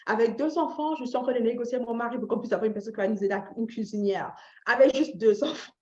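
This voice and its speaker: High-voiced woman coaching in a roomy echo. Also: fast. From Canada. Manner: peppers speech with English tags like "right?" and "ok?", repeats phrases for emphasis; engages listeners directly with questions. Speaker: financial coach and teacher. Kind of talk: informal live teaching talk with motivational tone. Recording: roomy echo, slightly dull lo-fi sound.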